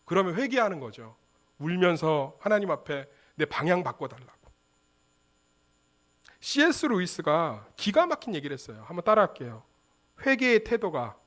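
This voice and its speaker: Male pastor in a church sanctuary, lively and high-pitched, preaching with questions and acted-out prayers. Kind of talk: Sunday sermon.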